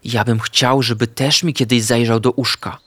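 A man's voice: medium pitch, fairly even intonation, normal speed, a bit bright, breathy edge, no echo. A man voicing an eager, bouncy little male forest animal in a chirpy voice for a storybook. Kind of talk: storybook character voice.

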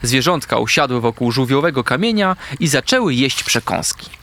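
Expressive man reading a children's story. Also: medium pitch, moderate pace, slight background noise. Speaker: narrator. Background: soft music.

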